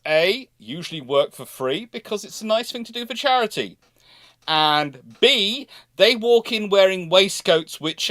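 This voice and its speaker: A man's voice: a little high, a bit bright, dry recording, clean studio sound. A man hosting a casual live chat, speaking emphatically and digressively, with repeated words as he gets going. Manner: emphatic, stammering repetitions, digressive. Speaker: livestream host.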